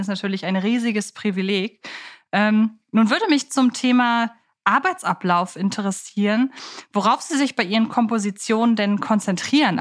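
A woman interviewing as a podcast host, asking wordy, conversational questions and thinking aloud. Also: medium pitch.

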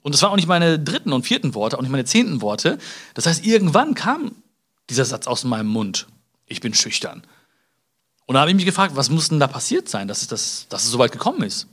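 A man's voice: medium pitch, sing-song, brisk, fairly bright tone, slightly rough. A man from Germany hosting a casual self-help podcast, talking straight to the listener with frequent tag questions, fillers and restarts. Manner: hesitant restarts and filler sounds. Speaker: podcast host.

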